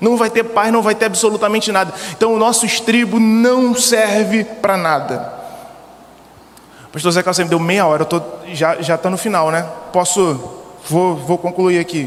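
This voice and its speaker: With long, frequent pauses, a man with a high voice speaks at a very even loudness and ordinary pitch variation, amid noticeable background noise and audible room echo. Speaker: preacher at youth service. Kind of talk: sermon. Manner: fast.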